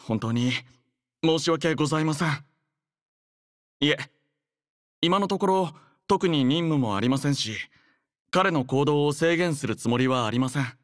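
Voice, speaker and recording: A man voicing a courteous, earnest young android soldier in an anime game, speaking in a polite, formal, measured manner. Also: a little high, no echo, studio quality, close to an everyday voice. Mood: gentle, reserved. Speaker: game character voice. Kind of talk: scripted anime game voice lines.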